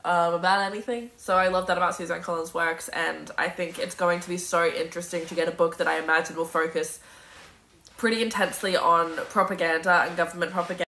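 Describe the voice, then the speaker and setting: Casting: woman in her twenties, lowish pitch with a bright edge, opinionated casual livestreamer, recorded in a roomy space. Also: steady tone, fast, a little hiss or hum. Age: 20s. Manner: emphatic, sweary, opinionated. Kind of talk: casual livestream chat answering viewer comments. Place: indoor room at home with bookshelf. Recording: roomy echo from phone mic.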